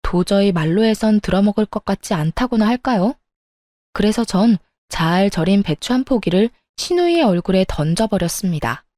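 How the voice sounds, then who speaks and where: A woman's voice: mid-range voice, lively intonation, normal speed, warm tone, no room sound, studio quality. A woman narrating her own story in the first person, telling it in a matter-of-fact way.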